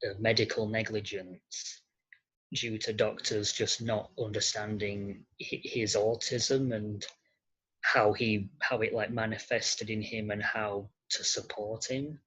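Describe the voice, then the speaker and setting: A podcast guest speaking in an interview, hesitant and halting, often searching for words, on a muffled recording. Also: mid-range voice, flat delivery, fairly bright tone, slightly rough. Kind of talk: interview conversation. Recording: muffled lo-fi audio.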